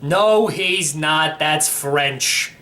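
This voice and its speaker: A man's voice: on the high side, very slow, bright, forceful tone, exaggerated voice. A man voicing a breezy, cocksure, eccentric great-uncle over a hundred years old in a children's audiobook, folksy and offhand. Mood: stubborn, cocksure. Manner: folksy, offhand, stubbornly sure of himself.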